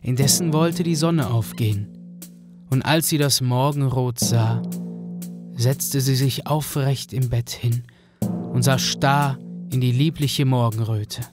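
A man narrating a fairy tale for a radio play in a calm, measured way. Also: mid-range voice, music in the background.

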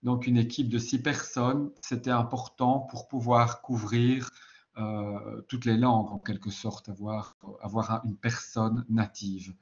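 A Belgian man with a Belgian French accent presents at a conference, his pitch sitting in an ordinary middle range. He explains patiently and often pauses on "euh" or restarts a phrase. The sound is a little dull and lo-fi. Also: little pitch movement, a little mellow. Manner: explanatory, frequent "euh" hesitations and self-corrections. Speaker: university lecturer presenting a textbook.

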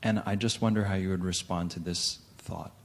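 A man from the audience with a soft voice, asking a question tentatively and modestly. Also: sits low, fairly even intonation, normal speed, creaky. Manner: tentative, self-deprecating. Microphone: handheld microphone.

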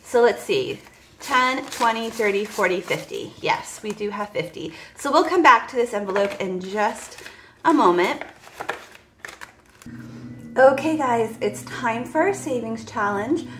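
A woman's voice: on the high side, animated, measured pace, a bit bright, roomy sound, slight background noise. A woman in her forties, chatting casually to viewers about her budget while counting cash at a table. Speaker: budgeting vlogger. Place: indoors at a table. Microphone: voice heard over top-down table camera, hands only.

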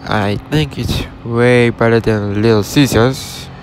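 A man vlogging as he walks through an empty shop, giving plain, low-key commentary while filming on a handheld phone. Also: steady tone, takes it slowly, a little hiss or hum. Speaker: vlogger touring empty buildings. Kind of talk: casual walkthrough narration. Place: empty store and parking lot.

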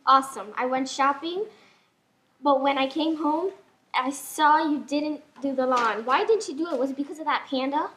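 A woman's voice: high voice, moderate pace, fairly bright tone. A young woman playing a nagging, jealous wife in an amateur puppet show. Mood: cheery, nagging. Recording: clear background noise.

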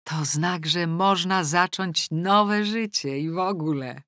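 A middle-aged woman reading a first-person novel aloud in a studio, with lively, ironic storytelling. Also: fairly low pitch, slow, dry recording. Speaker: audiobook narrator. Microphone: close studio mic.

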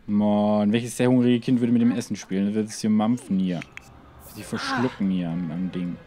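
A man's voice: fairly low pitch, very animated, normal speed, mellow, faint music behind. A man hosting a let's play, talking casually to his game characters with muttered asides and frequent exclamations. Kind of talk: gaming commentary.

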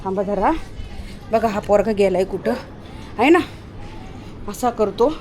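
A woman's voice: mid-range voice, measured pace, a little mellow, slight background noise. A woman vlogging at night outdoors on a handheld phone, chatting to viewers and scolding and calling out to her dog. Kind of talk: casual vlog narration to viewers.

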